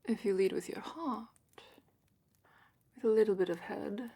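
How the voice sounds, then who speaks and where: A woman playing a gentle, knowledgeable dragon keeper in a fantasy ASMR roleplay, speaking in a hushed, breathy, unhurried way that often drops into a whisper. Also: medium pitch. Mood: soft, thoughtful. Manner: hushed, unhurried, careful explaining.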